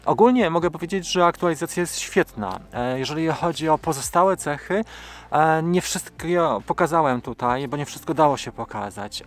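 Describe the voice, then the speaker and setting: Calm man narrating a drone flight. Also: fairly high pitch. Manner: talks through each step while flying, calm and practical, with filler sounds. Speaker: drone video creator. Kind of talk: hands-on tutorial commentary. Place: outdoors in open grassland.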